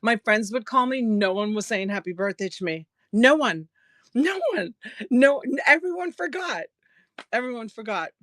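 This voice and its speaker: A woman's voice: a little high, lively intonation, moderate pace, dry recording. Woman in her 60s doing a live jewelry sale, chatty and giggly, dry close sound. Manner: chatty, laughs often, warm to viewers by name. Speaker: live-stream jewelry seller. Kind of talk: casual live-selling chat.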